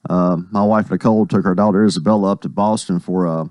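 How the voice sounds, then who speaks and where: A friendly man chats on local radio in a slightly hoarse, fairly low voice. The sound is dry and close. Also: steady tone, fast talker, a little mellow, no room sound. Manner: friendly, chatty, chuckles. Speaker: town mayor guest. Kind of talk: radio interview.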